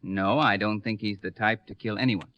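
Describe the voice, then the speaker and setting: An actor playing a courteous, careful lawyer in an old radio detective serial, speaking in a measured, matter-of-fact way. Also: male voice, fairly low pitch, steady tone, no echo, natural voice. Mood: careful, polite. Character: courteous, measured professional male lawyer being questioned. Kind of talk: 1950s American radio detective serial acting. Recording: dry, dull old radio recording.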